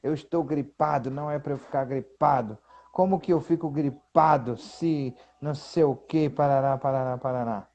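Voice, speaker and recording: Man, mellow voice, lo-fi sound. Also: medium pitch, vocal fry. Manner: animated, reads scripture aloud slowly with emphasis. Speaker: co-host. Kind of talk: casual Bible discussion. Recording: dull lo-fi sound.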